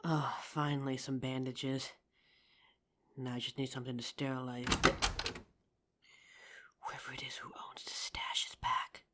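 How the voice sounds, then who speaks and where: Woman acting as wounded young female survivor, low-pitched, halting, emotive, zombie apocalypse audio roleplay. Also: level tone, a bit bright. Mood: furtive, anxious.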